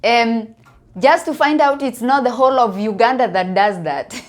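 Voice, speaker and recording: A woman from Kenya with a Kenyan accent, talking casually to viewers about her opinions in a halting way, repeating words for emphasis. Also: on the high side. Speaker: online video commentator.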